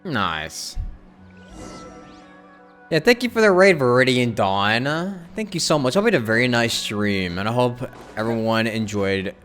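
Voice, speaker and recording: A man's voice: mid-range voice, lively intonation, a little slow, fairly bright tone. A man doing casual livestream commentary as he plays a game, chatting informally with viewers. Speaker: game streamer. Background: game music.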